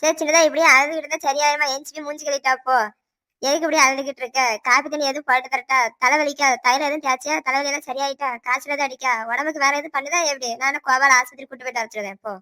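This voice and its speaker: A performer voicing an older village woman neighbor in a cartoon, lecturing the couple in a rapid Tirunelveli accent. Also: sits high, steady tone, sharp tone. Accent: Tirunelveli Tamil. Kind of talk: cartoon voice acting.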